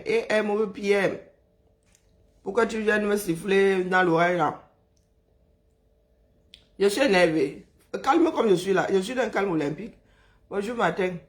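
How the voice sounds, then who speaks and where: On a live stream, a Cameroonian French-accented woman speaks at medium pitch in a hoarse, exhausted voice. She banters and teases, says hello to viewers one at a time, and lets hums and drawn-out sighs fill the silences.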